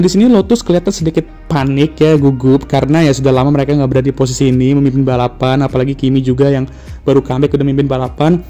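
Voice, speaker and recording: A man's voice: fairly high pitch, warm tone. A man recapping a motor race in a casual, joking, slang-filled way, like a YouTuber talking to his viewers. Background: faint background music.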